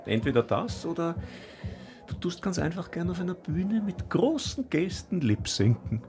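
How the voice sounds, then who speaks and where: An actor playing a dry, gossipy gay friend in a naturalistic radio drama, with an Austrian accent. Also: male voice, fairly high pitch, very animated, moderate pace, darkish tone, faint music behind. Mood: wry.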